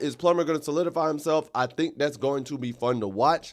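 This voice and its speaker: On a very clean recording with a silent background, a man with a fairly high pitch speaks at a fairly quick pace with lively intonation. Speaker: sports fan channel host. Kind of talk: casual sports commentary vlog. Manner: fast; animated.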